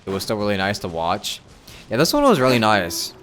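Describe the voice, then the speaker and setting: A man livestreams a game over game music, talking casually and thinking aloud, often repeating phrases as he rambles. His voice is lowish and fairly bright, a little fast, with wildly swooping pitch.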